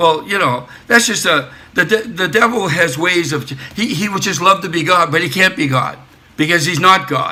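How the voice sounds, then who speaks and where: With an American accent, a man talks at a moderate pace in a high pitch with ordinary pitch variation, and noticeable background noise sits behind him. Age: 70s. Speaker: war veteran. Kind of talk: testimony. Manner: halting.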